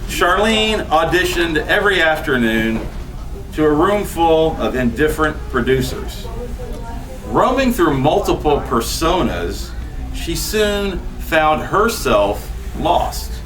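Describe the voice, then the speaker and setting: A man's voice: fairly high pitch, big pitch swings, takes it slowly. A man reading his poems at a bookstore event, chatting between them with many ums and self-deprecating laughs. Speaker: poet reading his work. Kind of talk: live poetry reading with casual asides. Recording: distant camera audio with room noise.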